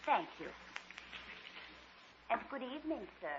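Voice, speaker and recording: An actress playing a mysterious old woman who delivers a package, speaking softly and politely in an old radio drama. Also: on the high side, sing-song, unhurried, heavy background noise. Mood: eerie polite. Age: older. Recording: dull old radio broadcast.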